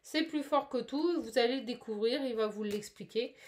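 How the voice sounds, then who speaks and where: A woman with a somewhat high voice talks through a spiritual card reading. She pauses often with fillers and restarts her sentences, keeping an encouraging, chatty tone throughout. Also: very noisy. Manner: hesitant, many fillers and restarts. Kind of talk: casual card-reading guidance.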